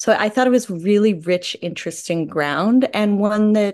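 A woman has an ordinary speaking voice and talks at a fairly slow pace with lively intonation. The background is quiet. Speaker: playwright and actor. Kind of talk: radio interview.

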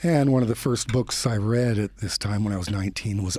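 Fairly low, somewhat breathy male speech with ordinary rises and falls in pitch. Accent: American. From Utah, Salt Lake City area. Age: 50s. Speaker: author. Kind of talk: radio interview. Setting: radio studio.

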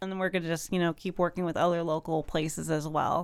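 Recorded very cleanly against a silent background, a woman with a Chicago accent talks in a fairly low voice. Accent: Midwestern American (Chicago-area). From Illinois (Kankakee area). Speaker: cat café co-owner and realtor. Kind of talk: radio interview. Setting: studio.

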